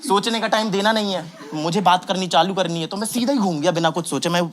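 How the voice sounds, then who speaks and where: A young man performing a stand-up comedy set, telling a story with animated acted quotes. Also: high voice, fast. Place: comedy club stage with audience. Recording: loud background noise.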